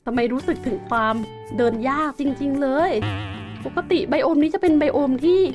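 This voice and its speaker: A woman's voice: high voice, normal speed, music in the background. A young woman hosting a survival game video, chatting to viewers and exclaiming as she explores. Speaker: game host. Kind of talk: casual Let's Play commentary.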